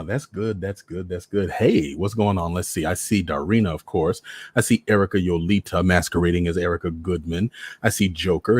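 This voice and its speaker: An American man with a low, darkish, slightly rough voice hosts a live online story-reading show, with no echo in the audio. He chats casually to his viewers in a livestream, repeating phrases for emphasis.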